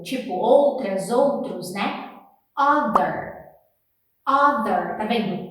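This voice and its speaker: A woman teaching English pronunciation, explaining and then slowly repeating words for the viewer to copy. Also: a little high, slight background noise. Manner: encouraging, talks straight to the viewer. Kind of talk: pronunciation lesson with drills. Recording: echoey room, voice from a distance.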